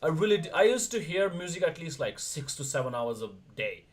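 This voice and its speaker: A young man from India chatting casually on a livestream, talking in quick bursts with frequent restarts. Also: a little high, very animated. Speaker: streamer, wrestler co-host.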